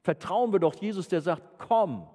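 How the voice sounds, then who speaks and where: A man's voice: medium pitch, normal speed, darkish tone, in a large hall. A man preaching an informal sermon to a youth group, playful and chatty, often asking the audience questions.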